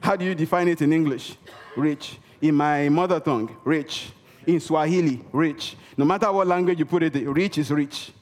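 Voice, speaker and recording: A man preaching with a slightly high voice, hammering home key words with repetition. He calls on the congregation to answer him. His voice rings with a long reverb from a large church hall. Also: normal speed. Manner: emphatic, repeats key words for effect; calls for audience response. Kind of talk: sermon.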